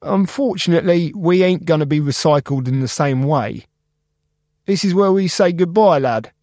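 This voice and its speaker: A man's voice: on the high side, normal speed, a little mellow, no room sound, clean studio sound, pitched above the performer's own voice, lightly acted. A man voicing a friendly junkyard guide who talks in a cheerful, folksy way. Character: friendly older male junk guide, cheerful and kind.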